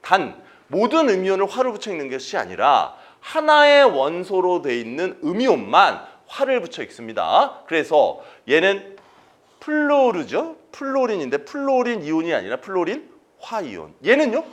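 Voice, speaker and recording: A man's voice: high voice, huge pitch swings, normal speed. A man giving an exam-prep chemistry lecture, asking students questions and answering them himself, repeating key terms.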